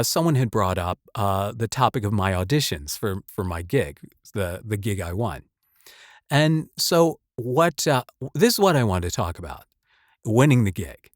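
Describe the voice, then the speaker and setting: A man, a voice actor, chatting casually about his work in a halting, rambling way with repeated words. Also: medium pitch, dry recording, clean studio sound. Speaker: voice actor and channel host. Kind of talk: casual chat, personal anecdote and advice.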